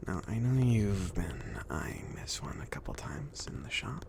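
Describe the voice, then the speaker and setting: A man playing a chill, friendly mage in an ASMR roleplay, speaking softly between whisper and murmur in a casual, hesitant, rambling way. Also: low-pitched, very animated, a little slow, background noise, full character voice. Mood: relaxed, explanatory. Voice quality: soft, breathy whispering mixed with murmured speech. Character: chill, friendly male mage kindly outfitting his apprentice.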